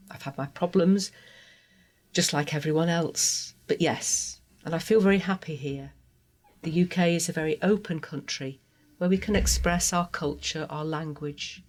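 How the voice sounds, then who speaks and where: A trans woman from Guatemala, a native Spanish speaker, telling her life story in an interview with an earnest, heartfelt, measured manner. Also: sits low, darkish tone. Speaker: interview guest. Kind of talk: personal testimony interview.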